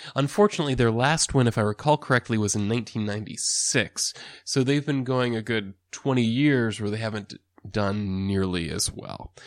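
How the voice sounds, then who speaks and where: A man speaks at a moderate pace with a normal speaking voice. His pitch sits in the middle range and varies in an ordinary way. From United States. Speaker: podcast co-host. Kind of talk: casual chat.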